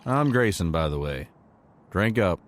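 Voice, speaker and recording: A man's voice: sits low, very animated, a little slow. An actor playing a lonely, protective man long stranded as a castaway in an audio drama. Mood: reassuring.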